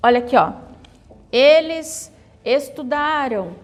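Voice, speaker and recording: High-voiced Brazilian teacher, slow and echoing. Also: female voice, animated. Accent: Brazilian Portuguese. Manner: explains slowly, repeating and checking with "né?" and "tá?". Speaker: Portuguese teacher. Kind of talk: classroom grammar lesson.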